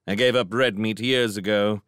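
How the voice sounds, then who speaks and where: A man's voice: on the low side, fairly even intonation, moderate pace, a bit bright, clean tone, no echo, clean studio sound, natural voice. A man voicing a refined, idle male barn cat in a storybook reading, speaking in a genteel, slightly prim way.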